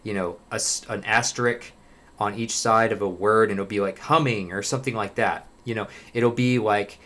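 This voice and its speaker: Young male host, lowish voice, chatty screen-share walkthrough at a desk mic. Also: steady tone, normal speed, a bit bright. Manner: conversational, lists details, many fillers. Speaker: online jobs video host.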